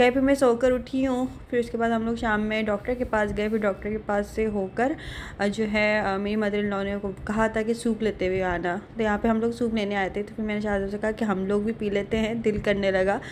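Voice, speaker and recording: A woman's fairly high, monotone voice with flat intonation and hardly any pauses, over noticeable background noise. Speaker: vlogger. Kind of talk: casual vlog narration. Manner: low-energy.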